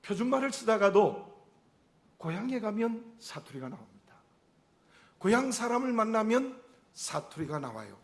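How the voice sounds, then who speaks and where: A middle-aged male pastor with a regional Korean dialect intonation preaches a sermon, earnest and measured, posing rhetorical questions. His voice is high and very animated.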